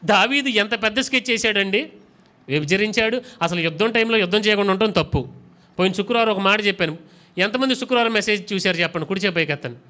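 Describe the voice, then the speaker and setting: A man's voice: sits high, quick pace, pushed and bright. A male pastor preaching a sermon, firing questions at his congregation, urging them to answer aloud, and mixing English phrases into his talk.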